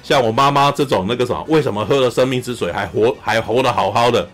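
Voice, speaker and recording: A man from Taiwan, co-hosting a podcast and chatting casually about a film, animated, acting out scenes and often saying "you know". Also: mid-range voice, quick pace, soft background music. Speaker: podcast co-host. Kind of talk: casual film review chat.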